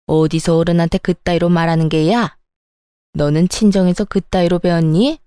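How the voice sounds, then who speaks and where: A woman's voice: medium pitch, mellow, no echo, clean studio sound, lightly acted. A woman voicing a scheming, self-pitying older mother-in-law who scolds and fake-wails. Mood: scolding. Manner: scolding, then fake wailing.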